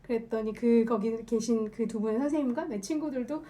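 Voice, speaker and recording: A woman's voice: on the high side, fairly quick, warm tone. A woman hosting a podcast alone, talking casually in a rambling, think-aloud way. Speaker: podcast host. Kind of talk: casual solo monologue.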